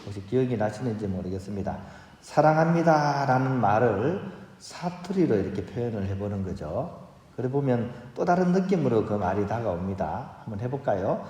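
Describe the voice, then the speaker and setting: In a large church, a Catholic priest reads the Gospel, then gives a playful homily coaxing the congregation to join in. His voice sits on the low side, brisk and mellow, with big pitch swings, and the church hall makes the recording echoey.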